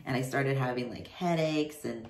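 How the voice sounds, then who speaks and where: A man in his thirties chatting casually to his camera, rambling with lots of "like" and "you know", his voice deepening mid-transition. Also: normal speed. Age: 30s. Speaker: vlogger. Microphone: camera mic. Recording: roomy echo, voice somewhat far from mic.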